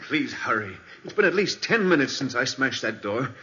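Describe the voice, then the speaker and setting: A man's voice: mid-range voice, very animated, moderate pace, pushed and bright. An actor in 1940s radio style playing a nervous, whining male accomplice who hesitates anxiously. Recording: muffled, very noisy old radio recording.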